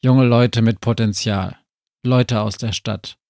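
A man's voice: medium pitch, steady tone, slow, vocal fry, darkish tone, dry recording, clean studio sound. Man doing a grumbling grumpy dwarf. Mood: gruff. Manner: grumbling, snorting. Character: grumpy scheming male dwarf, the Krampus.

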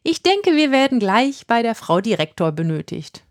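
Befana, a woman doing a high eccentric witch. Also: very animated, moderate pace, no echo, studio quality. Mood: mock-courtly. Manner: exaggerated courtly phrasing, high squeaky swoops. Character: eccentric female Christmas witch, theatrically polite.

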